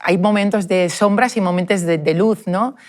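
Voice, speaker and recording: A woman, a parent telling her family's experience in an earnest, emotional way, often halting and restarting. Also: mid-range voice, darkish tone. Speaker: parent of a bullied child. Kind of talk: personal testimony in a group conversation.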